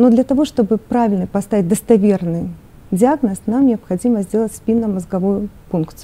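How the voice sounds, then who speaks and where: A woman talks at a moderate pace and a medium pitch. Her tone is dark and mellow, with ordinary pitch variation. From Belarus, Pinsk. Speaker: pastor's wife. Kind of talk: testimony. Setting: studio.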